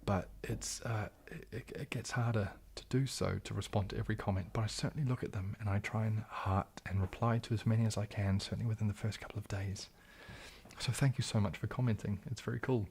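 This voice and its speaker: A young man hosting a casual livestream Q&A, soft-spoken and often slipping into a whisper. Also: lowish voice, steady tone, brisk, gravelly, a little hiss or hum. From New Zealand. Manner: soft-spoken, drifting into whispers, frequent restarts. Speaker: ASMR livestream host.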